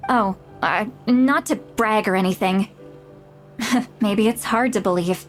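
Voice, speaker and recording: In a video game role, a woman plays an ancient tribal granny, proud but quick to get embarrassed, whose candid talk is flustered and self-deprecating. Her delivery is lightly acted, medium in pitch and slow, with soft music in the background.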